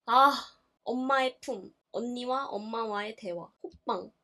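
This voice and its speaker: A woman's voice: fairly high pitch, sharp tone. A young woman vlogging, reading a book aloud in casual chat and reacting expressively with gasps and laughs. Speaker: YouTuber.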